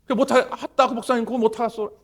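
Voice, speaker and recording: A pastor putting on a blustery old islander. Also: male voice, extremely high pitch, fairly even intonation, quick pace, fairly bright tone, big-room sound, pitched above the performer's own voice. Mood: protesting. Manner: blustery, exclaiming, rough. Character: gruff old male islander, rough-tongued ex-sailor.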